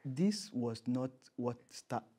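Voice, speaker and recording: Male interview guest, Nigerian accent, emphatic conversational delivery, mid-range pitch, leans on repetition to make his point. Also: expressive, takes it slowly, mellow.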